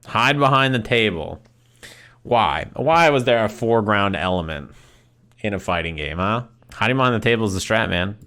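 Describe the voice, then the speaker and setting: A man's voice: lowish voice, animated, moderate pace, bright, forceful tone. A man giving casual, conversational fighting game commentary on a livestream, repeating phrases for emphasis and often checking in with "right?".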